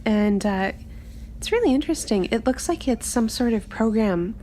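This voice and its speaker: Young female tinkerer played by a woman: highish voice, eager, breezy, chatty, casual tabletop roleplay, faint room noise. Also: lively intonation, moderate pace, mellow, close to an everyday voice. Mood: curious, absorbed.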